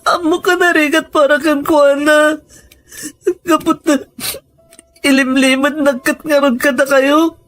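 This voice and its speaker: A man's voice: very high voice, little pitch movement, unhurried, long pauses, a bit bright. A man playing a sorrowful, guilt-ridden younger brother in an audio drama, with tearful, pleading delivery. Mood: anguished, crying. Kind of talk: emotional audio drama acting. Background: background music.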